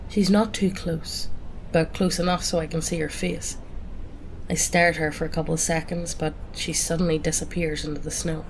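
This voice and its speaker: Woman with a cold for calm horror-story narration, deep and gravelly. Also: normal speed, slight background noise, low-quality recording. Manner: calm first-person storytelling. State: has a cold. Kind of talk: reading a greentext horror story.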